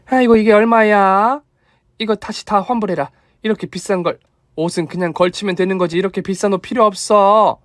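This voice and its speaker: Man doing an old mother-in-law, thrifty, fussy, higher voice, dry sound. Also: steady tone, brisk, fairly bright tone, no room sound. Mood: flustered. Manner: fussy, scolding, affectionate.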